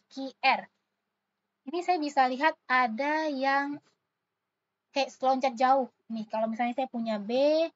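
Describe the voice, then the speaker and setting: A woman tutor talks through letter-series puzzles, calling out each letter as she works the answer out. Her voice sits a little high. The recording is dull and lo-fi. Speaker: online test-prep tutor.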